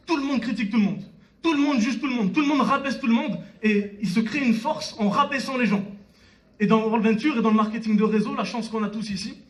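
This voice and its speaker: On a conference hall stage at a network marketing event, a high-voiced young man in his early twenties delivers a motivational talk filled with personal stories. He speaks straight to the crowd, frequently checking in with them, and the mic sits far from him during this live recording.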